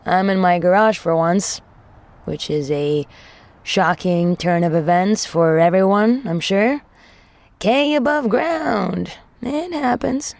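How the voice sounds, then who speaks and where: A woman's voice: mid-range voice, slow pace, vocal fry, pauses often, a little mellow, no echo. A woman playing a sociable, wry character in a sci-fi audio drama, musing aloud in a monologue.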